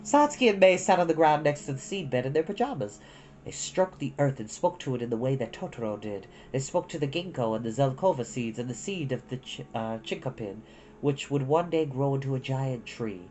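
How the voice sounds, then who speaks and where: A woman reading a children's story aloud as a host, with dramatic, unhurried delivery. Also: rumbling low, animated, a little mellow, a little hiss or hum. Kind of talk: expressive children's storybook narration.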